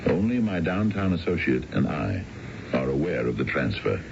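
A dignified, scheming older businessman with an extremely low voice and formal, measured delivery. It is a seventies radio play with a dull, noisy sound. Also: big pitch swings, vocal fry, heavily acted. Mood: discreet, calculating. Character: dignified older male executive, secretly a crooked schemer. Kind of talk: 1970s radio drama acting.

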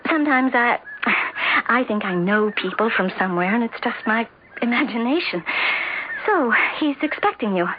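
A woman's voice: a little high, expressive, moderate pace, noisy background, close to an everyday voice. A woman playing an anxious, earnest, troubled wife who narrates her story in a hesitant, emotive 1970s radio drama style. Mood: flustered politeness. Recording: dull radio broadcast over music.

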